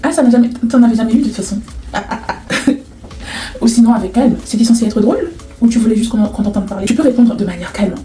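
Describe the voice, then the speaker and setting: A woman's voice: fairly high pitch, fast talker, dark tone. Sassy, teasing French-speaking woman vlogger. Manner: sassy, teasing, laughs often. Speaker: hair vlogger. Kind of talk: casual to-camera vlog.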